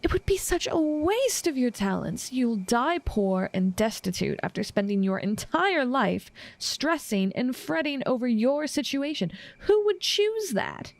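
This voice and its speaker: A woman playing an obsessive, smug assassin smitten with her target, speaking in a teasing, formal, measured and menacing way in an intimate audio roleplay. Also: high voice, very animated, gravelly, heavily acted. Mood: coolly persuasive.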